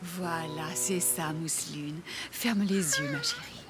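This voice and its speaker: A woman playing a tired, tender older grandmother in a children's cartoon, speaking in a hushed way. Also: fairly low pitch, wildly swooping pitch, slow pace, music in the background, exaggerated voice. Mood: soothing. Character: tired, tender grandmother minding a sleepy little one. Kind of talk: cartoon dub acting.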